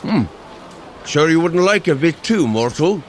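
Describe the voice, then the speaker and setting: A man's voice: on the high side, expressive, measured pace. A man playing a hearty, good-natured male Norse god with a courtly, genial manner in an audio drama. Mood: genial, mildly skeptical. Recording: faint outdoor city noise. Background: faint outdoor street sounds.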